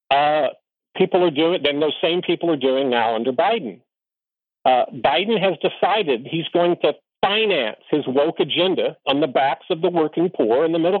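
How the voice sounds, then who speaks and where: A man's voice: on the high side, dry recording. A man, an economist guest, giving opinionated political commentary in an emphatic, lecturing way, with frequent fillers and restarts. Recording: tinny phone-line sound.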